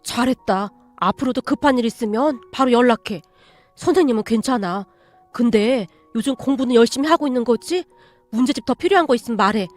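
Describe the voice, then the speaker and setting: A devoted male teacher speaks up firmly for his student in this radio story, voiced by a woman reader. Her voice stays high and earnest over faint music. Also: fairly quick, close to an everyday voice. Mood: caring. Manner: earnest, raising voice in defense. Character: devoted male teacher, quiet but protective.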